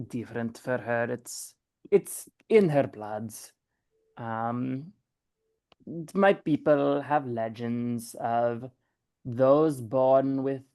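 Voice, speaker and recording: A woman playing a guarded, skeptical scientist adventurer in a tabletop game, sardonic and halting, with some swearing and a creaky voice. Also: extremely low pitch, mellow, no room sound, full character voice.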